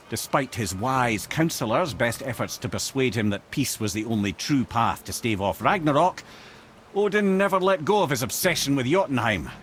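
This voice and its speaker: An actor voicing an eloquent, wry old Scottish sage, telling stories in a theatrical, measured way as a video game character. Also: male voice, medium pitch, fairly bright tone, a little hiss or hum, lightly acted. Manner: theatrical, wordy, measured storytelling with wry asides. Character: wry, eloquent old male sage and former royal advisor, storyteller.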